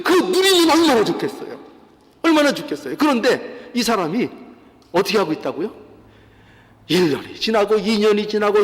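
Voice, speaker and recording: A man's voice: very high voice, a bit bright, big-room sound. A male pastor giving a fervent sermon, pleading and urging his congregation. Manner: fervent preaching, voicing God's pleas in quotes. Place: church sanctuary.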